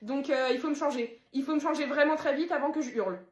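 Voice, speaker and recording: A woman's voice: high-pitched, fast, roomy sound, close to an everyday voice. A woman voicing a crude, bossy baby who demands food and whines. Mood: whiny. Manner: bossy, foul-mouthed, whining.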